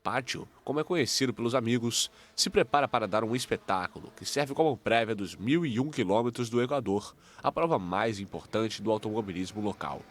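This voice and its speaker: A man reading a scripted news report in a measured, formal tone. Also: on the low side, expressive.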